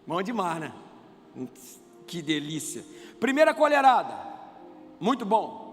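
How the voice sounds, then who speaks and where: Man, Brazilian accent, pastor, lively sermon with rhetorical questions, faint music behind. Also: high-pitched, a little slow. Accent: Brazilian Portuguese. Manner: animated, conversational preaching with rhetorical questions to the congregation. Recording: reverberant church hall with faint music.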